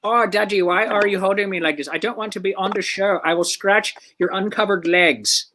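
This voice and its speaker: A woman's voice: medium pitch, fairly quick, fairly bright tone, slight background noise, lightly acted. A woman voicing a grumpy pet cat who whines about being held and threatens to scratch. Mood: whiny. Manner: whiny, complaining.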